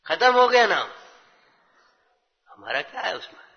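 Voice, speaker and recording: A man's voice: sits high, sing-song, unhurried, gravelly. A man giving a religious scripture sermon, exhorting his listeners and checking their understanding with rhetorical questions. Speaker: religious teacher. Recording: dull lo-fi with long hall reverb.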